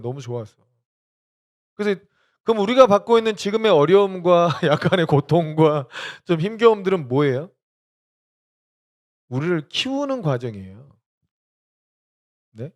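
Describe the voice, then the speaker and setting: A man teaching as a pastor, animated, asking many questions and laughing as he tells stories. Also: fairly high pitch. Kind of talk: discipleship teaching.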